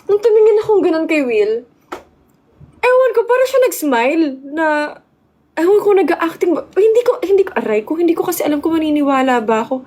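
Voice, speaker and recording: Young woman streamer, high voice, excitable casual storytelling. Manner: chatty, excitable, mixes Tagalog and English. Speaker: live streamer.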